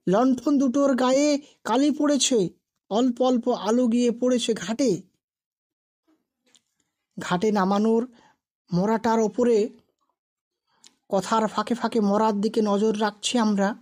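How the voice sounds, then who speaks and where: High-pitched woman narrating a ghost story. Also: darkish tone.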